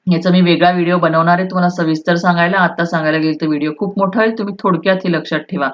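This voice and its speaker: A woman teacher with a lowish voice leads a school Marathi lesson. She walks through grammar rules patiently, repeating terms and checking that students follow, with a slight switch into Hindi now and then. The recording sounds dull and lo-fi. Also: steady tone, racing. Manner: explains step by step, often checks "right?", repeats key terms; switches into Hindi to restate points.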